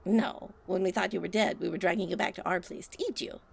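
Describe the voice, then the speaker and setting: Snarky, creaky-voiced hungry demon played by a woman. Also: fairly low pitch, steady tone, fairly quick, slight background noise. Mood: smug, amused. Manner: casual, dismissive, teasing. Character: hungry, snarky, blasé scavenging demon in hell. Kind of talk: comedic audio drama acting.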